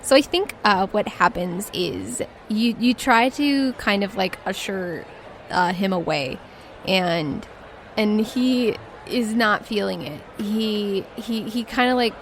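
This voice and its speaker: A woman improvising narration as game master of a tabletop game, in a casual, halting, descriptive way. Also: mid-range voice, a little hiss or hum. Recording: music under the voice.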